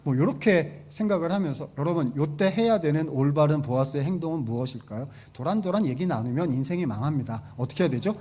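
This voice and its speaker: Man, pastor, a touch higher than usual, joking conversational sermon. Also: animated, quick pace, hardly any pauses, dark tone. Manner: conversational, asks the congregation questions, acts out quotes. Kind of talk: humorous sermon.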